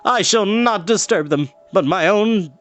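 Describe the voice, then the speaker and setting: A man's voice: high-pitched, a little slow, fairly bright tone, soft background music, pitched above the performer's own voice. A man voicing a stout old warrior in a storybook, cheerful, hearty and wry with a folksy humor. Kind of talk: storybook character voice.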